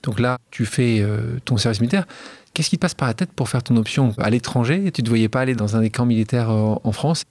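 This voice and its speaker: A man's voice: mid-range voice, brisk, darkish tone, dry recording. A man hosting an interview, asking long, leading questions in a talkative way. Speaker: radio/podcast host. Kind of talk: interview conversation.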